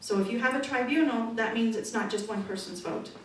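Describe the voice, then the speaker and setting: A woman's voice: on the high side, a little fast. Forthright woman in an echoey hall. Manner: loud, forthright, conversational. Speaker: political candidate. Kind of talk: candidate forum answers. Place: meeting room. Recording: echoey room from far off, noisy.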